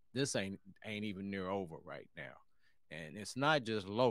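A man with a fairly low pitch has an unremarkable speaking voice and ordinary pitch variation. He speaks at a moderate pace on a very clean recording with a silent background. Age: 60s. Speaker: guest, friend of the host. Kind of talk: casual discussion.

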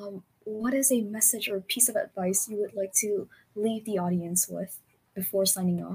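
A somewhat breathy, fairly high female voice at a moderate pace, with ordinary pitch variation. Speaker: student podcast co-host. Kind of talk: interview.

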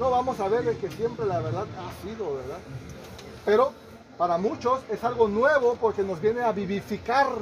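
A man with a high pitch and lively intonation speaks at a moderate pace. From Mexico. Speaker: preacher. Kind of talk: sermon. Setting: church. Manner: fervent, exhortative preaching, with frequent '¿verdad?' and amén; halting, repeating words.

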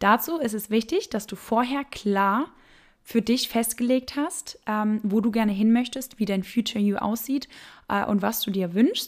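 In a very clean recording with a silent background, a woman with a plain, everyday voice talks at a fairly high pitch and a fairly slow pace, with ordinary pitch variation. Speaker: podcast host and meditation guide. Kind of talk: guided meditation. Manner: slow, soothing, calm, gentle pacing; soft-spoken, dreamy.

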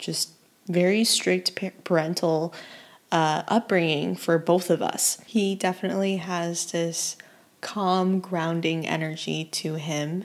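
The woman speaks at a fairly slow pace with a fairly low pitch. It is an ordinary speaking voice. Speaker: podcast host. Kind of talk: scripted narration.

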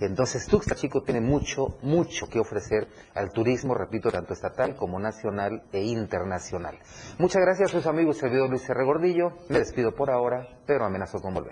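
A man speaks fairly quickly with a Mexican accent and a somewhat breathy voice. His pitch swings very widely. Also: medium pitch for a man. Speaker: arts and culture columnist. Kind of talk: scripted narration.

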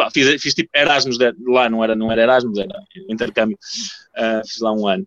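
A man with a normal speaking voice and medium pitch talks at a fairly quick pace, the sound dry and close with no echo. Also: ordinary pitch variation. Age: 30s. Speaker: podcast host. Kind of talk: casual chat.

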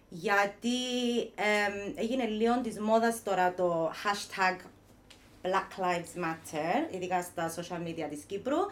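A woman speaks very slowly in a Cypriot accent. Her pitch is medium, with ordinary variation. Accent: Cypriot Greek. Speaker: podcast host. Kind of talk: casual chat. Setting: studio.

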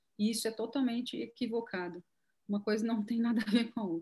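At a fairly quick pace, a woman speaks with a fairly high, somewhat breathy voice on a very clean recording with a silent background. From São Paulo state, Brazil. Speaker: former mayor and entrepreneur. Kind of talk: interview.

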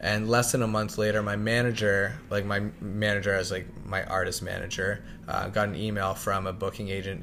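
Someone speaks with a Canadian accent in a monotone, flat intonation. Music plays in the background. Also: man. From Ontario, Canada (Niagara region). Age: 20s. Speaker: music producer and DJ. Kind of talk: casual interview chat.

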